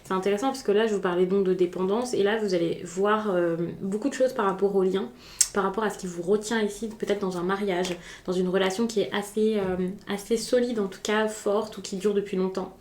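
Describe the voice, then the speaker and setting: A woman's voice: medium pitch, fairly even intonation, a little fast, darkish tone, reverberant. A woman giving a spontaneous, chatty tarot reading, with many hesitations and restarts. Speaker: tarot reader.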